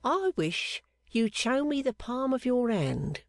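A narrator voicing an odd, sharp-eyed male clerk who speaks low and confidingly, teasing with questions. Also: sing-song, takes it slowly, no room sound, clean studio sound. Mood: playful fortune-telling. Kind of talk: audiobook character voice.

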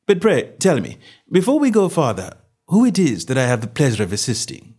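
A man's voice: medium pitch, huge pitch swings, a little mellow, breathy edge, voice pushed up. A man doing a suave, self-assured detective. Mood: cheery. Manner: bland, measured. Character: calm, sharp male detective, bland and self-assured.

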